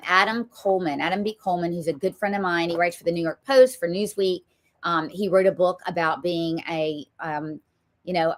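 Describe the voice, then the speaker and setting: A woman with a Southern US accent, hosting a political talk show and speaking emphatically, with frequent ums. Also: fairly low pitch. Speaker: show host.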